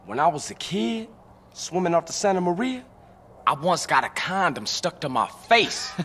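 A skeptical young street guy in a game: sarcastic drawl, slow, with a lot of pitch swing. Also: sing-song, a bit bright, a little hiss or hum. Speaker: game protagonist.

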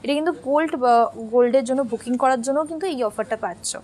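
Chatty high-voiced woman live-stream host. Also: quick pace, a little mellow, slight background noise. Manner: chatty, switching between Bengali, Hindi and English; reads viewer comments aloud and answers them. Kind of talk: casual live sales stream.

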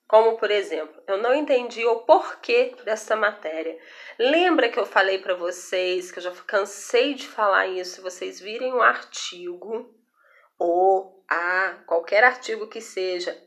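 A woman's voice: mid-range voice, fairly bright tone. Brazilian woman teacher, patient and checking in. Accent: Brazilian Portuguese. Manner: explains patiently, checks in often with "tá bom?". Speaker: Portuguese teacher. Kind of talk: recorded video lesson for students.

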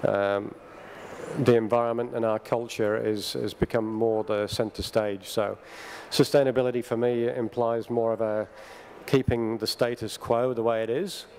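A man speaking on a conference panel in a measured, hesitant way with frequent ums, into a desk microphone. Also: mid-range voice, flat delivery, a little mellow, a little hiss or hum. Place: large conference hall stage. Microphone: desk microphone on a stand.

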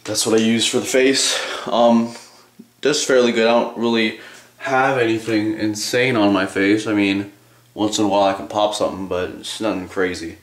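Low-voiced young man in echoey bathroom. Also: fairly even intonation, normal speed. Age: 20s. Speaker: bodybuilding vlogger. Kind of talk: casual rambling vlog to viewers. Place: small home bathroom. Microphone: handheld camcorder at arm's length.

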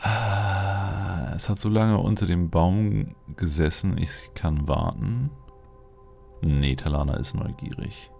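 A man with an extremely deep voice full of gravelly fry. He gives casual, playful gameplay commentary, musing aloud in character as a Let's Play host. Game music plays clearly behind him. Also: slow pace, dark tone.

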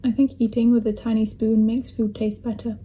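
A young woman talks casually to the camera about her day as a student. Her voice is a little high but soft and mellow, and her chat is self-deprecating, broken up by small laughs. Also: flat delivery, fairly quick, dull audio. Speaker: university student vlogger. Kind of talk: casual vlog narration.

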